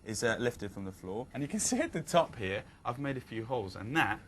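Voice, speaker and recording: A man's voice: medium pitch, big pitch swings, brisk, crowd noise. Cheerful man showing a craft. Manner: cheerful, explaining step by step. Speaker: children's TV presenter. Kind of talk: crafting demonstration.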